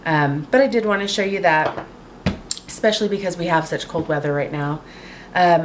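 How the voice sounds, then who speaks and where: A woman vlogging casually to camera at home, chatty and full of fillers, her voice a little raspy from a cold. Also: sits low, slight background noise. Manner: chatty, lots of fillers and likes. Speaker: beauty vlogger. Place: home, indoors.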